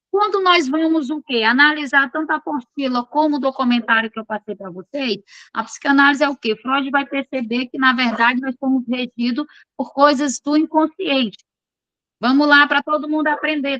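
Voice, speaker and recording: A woman's voice: high-pitched, fairly even intonation, normal speed, fairly bright tone, no room sound, muffled recording. A woman teaching an online class. She reads from course notes and keeps checking in with her students in a chatty, informal way.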